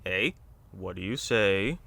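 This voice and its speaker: Deep-voiced, kindly uncle. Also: male voice, expressive, slow pace, creaky, sharp tone, slightly rough, exaggerated voice. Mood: gently scolding. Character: kindly off-duty police officer uncle, gently firm. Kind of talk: natural audio drama acting.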